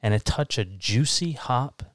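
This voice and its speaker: A man's voice: medium pitch, lively intonation, a little slow, no room sound, studio quality. A man in his thirties from Massachusetts, co-hosting a casual podcast chat over beers, joking and teasing with a laugh. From Massachusetts, USA. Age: 30s. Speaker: podcast co-host.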